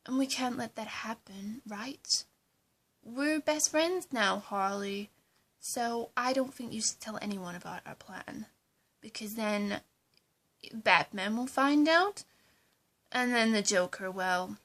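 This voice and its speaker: Woman playing a scheming supervillain woman, imperious, threatening, fan roleplay, unhurried delivery, slightly high voice. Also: a bit bright. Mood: condescending. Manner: slow, condescending, drops into menacing whispers, calls everyone darling.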